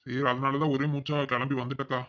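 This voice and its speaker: Man voicing a doting young husband, fast and flat. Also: medium pitch, highs cut off, lightly acted. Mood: doting, soothing. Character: young husband back from abroad, doting and apologetic. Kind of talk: cartoon voice acting.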